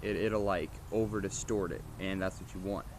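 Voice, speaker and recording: A man with a deep voice at normal speed teaches vocal screaming in a casual, loosely explained how-to. His style is informal and repetitive, and the homemade recording is noisy with steady background noise.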